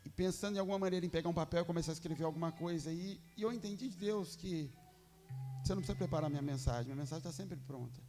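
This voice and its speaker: A man's voice: fairly high pitch, very fast, dark tone, soft background music. A man with a Brazilian Portuguese accent preaching a sermon in church, earnest and fervent, moving into a prayer that keeps returning to "Father".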